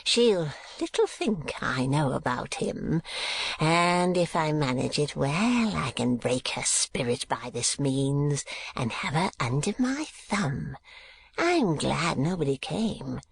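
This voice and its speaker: A man's voice: big pitch swings, slow pace, vocal fry, husky, full character voice. A man voicing a spiteful, lecherous old miser in an audiobook, with a cracked, sneering voice. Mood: scheming. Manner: sneering, wheedling, shrill outbursts. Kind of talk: dramatised audiobook reading.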